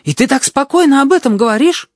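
A man voicing a stern, easily outraged woman nurse who scolds in a shrill, indignant voice. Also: lively intonation, quick pace, no echo, clean studio sound. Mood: scolding.

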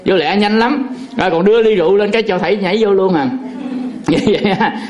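A man's voice: high-pitched, a little fast, a little mellow. A man, a Buddhist monk telling a folksy, chuckling story in a sermon, full of fillers.

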